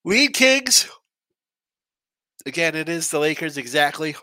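A man with a stuffy, congested nose hosts a live sports betting stream, chatting loosely through viewer comments and picks. His voice is very bright and edgy, and the recording is dry and close with no room sound. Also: a little high, sing-song, unhurried, dry recording. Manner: chatty and loose, with frequent restarts and asides. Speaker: sports betting show host.

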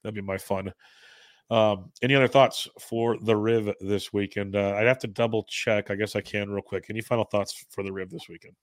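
A man co-hosts a casual sports podcast about betting while sick and under the weather, talking in a loose, rambling way and chuckling often. His voice is fairly low with a steady tone at a moderate pace, and there's no room sound.

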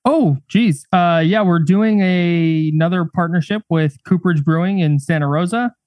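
Dry-witted man, deadpan. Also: high-pitched, normal speed, dry recording. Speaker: podcast guest, sports writer. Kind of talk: casual chat.

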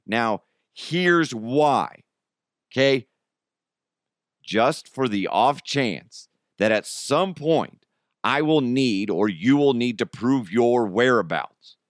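A man's voice: mid-range voice, expressive, slow, dry recording, studio quality. A man with an American accent hosting a podcast, talking in an informal, slangy, conversational way. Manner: chuckles through his own remarks. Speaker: podcast host. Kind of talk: casual solo comedy podcast chat.

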